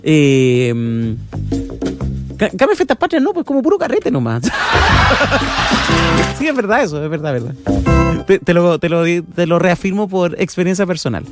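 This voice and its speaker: A man's voice: on the high side, very animated, measured pace, long pauses. A Chilean man hosting a radio show, chatting casually with callers, joking and laughing. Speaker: radio host. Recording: loud music bed behind.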